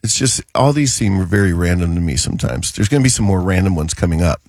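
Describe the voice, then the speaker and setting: A man's voice: sits low, lively intonation, quick pace, darkish tone, dry recording, clean studio sound. A man hosting a casual radio garden show while he has a cold, chatty and a little wry. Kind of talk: casual talk radio chat. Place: radio studio.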